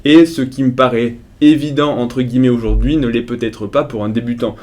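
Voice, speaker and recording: A man's voice: medium pitch, steady tone, brisk, a little mellow. A middle-aged man talking casually to his viewers on a fitness channel, in an ironic, critical tone. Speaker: fitness YouTuber. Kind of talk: casual commentary video.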